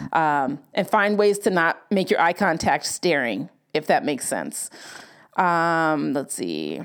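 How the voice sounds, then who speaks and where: The recording is very clean, with a silent background. A woman with a fairly low pitch and vocal fry speaks at a very slow pace, her intonation lively. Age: 40s. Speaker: podcast host, HR professional. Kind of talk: solo podcast monologue. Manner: drawn-out words, many fillers.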